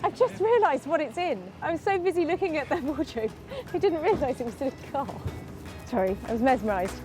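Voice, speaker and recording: Bubbly high-voiced woman presenter. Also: lively intonation, a little fast, over music. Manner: bubbly and enthusiastic. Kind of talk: casual on-location chat. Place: outdoors at a recycling centre.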